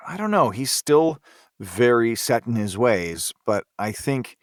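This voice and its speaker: A man speaking as an interview guest, thinking aloud in a halting, reflective way with repeated words. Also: mid-range voice, sing-song, dry recording, clean studio sound. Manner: hesitant, thoughtful, halting delivery with repeated words.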